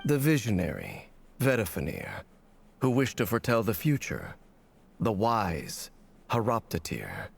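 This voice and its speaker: An actor playing a solemn, mysterious masked wanderer in a video game, speaking in a grave, measured, formal way. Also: male voice, fairly low pitch, wildly swooping pitch, gravelly, slight background noise, heavily acted. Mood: solemn recounting.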